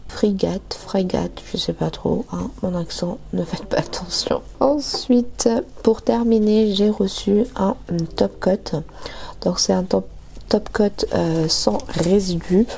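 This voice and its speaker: A woman reviewing nail gels and narrating a nail tutorial, hesitant with many fillers and soft half-whispered asides. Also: medium pitch, slow pace, creaky, a little hiss or hum. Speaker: nail artist reviewing products. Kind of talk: product review and tutorial voice-over.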